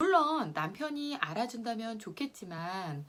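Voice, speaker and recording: The voice moves at a very slow pace in a calm, gentle tone with very wide pitch swings. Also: woman. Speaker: psychological counselor. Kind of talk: talk to camera advice.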